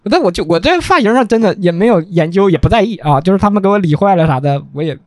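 High, lively man with twang. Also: fast talker, no echo, studio quality. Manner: animated storyteller, slangy and joking. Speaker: podcast co-host. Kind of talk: casual chat.

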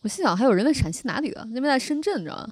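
A young woman from Shaanxi telling a personal story in a casual podcast chat, animated and often laughing. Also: high-pitched, rapid-fire, breathy edge, no echo, clean studio sound. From Shaanxi, China. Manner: animated, laughs often, frequent tag questions. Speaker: podcast host.

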